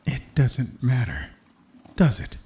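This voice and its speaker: An actor playing a gleefully menacing warden in an audio horror drama, with a theatrical, drawn-out, mocking delivery. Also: male voice, mid-range voice, very animated, noisy background. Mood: gleeful menace. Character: gleefully menacing male warden of a sinister facility.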